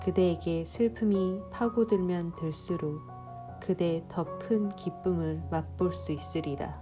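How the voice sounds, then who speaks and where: With music in the background, a woman speaks at a very slow pace. Her pitch is very deep and low, with very wide pitch swings. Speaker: audiobook reader. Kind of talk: audiobook reading of prose poetry. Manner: soft, ASMR-style.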